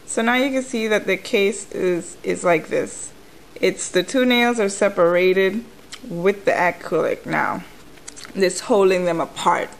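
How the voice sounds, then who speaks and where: A woman's voice: medium pitch, measured pace, gravelly, slight background noise, rough recording. A woman chewing gum while she talks, giving an informal, step-by-step nail tutorial in a conversational way. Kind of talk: casual hands-on tutorial talk.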